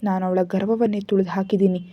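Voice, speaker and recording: A woman's voice: medium pitch, level tone, fast talker, no echo, close to an everyday voice. A woman voicing an arrogant, cruel teenage boy who sneers and threatens. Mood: sneering. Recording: dull lo-fi recording.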